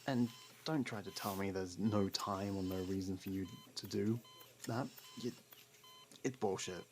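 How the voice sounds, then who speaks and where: A man playing a gruff, guarded convict who hides a fondness for a detective partner, speaking hesitantly and defensively in an intimate audio roleplay. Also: low-pitched, unhurried, a little hiss or hum. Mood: prodding, evasive. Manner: defensive, hesitant, sardonic, with stammered denials.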